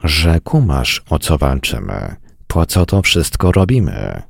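A man voicing a gruff, hard-drinking male army major with a bass voice and a coarse, commanding way of talking. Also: big pitch swings, slow pace, no echo, studio quality, full character voice. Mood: blustering.

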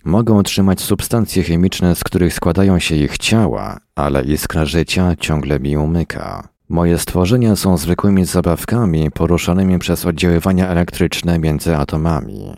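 A man's voice: low voice, lively intonation, moderate pace, gravelly, few pauses, a little mellow, no echo. Man reading as a childlike fire creature, silky, cruel, toying, dry close sound. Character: cruel childlike fiery alien being, bored.

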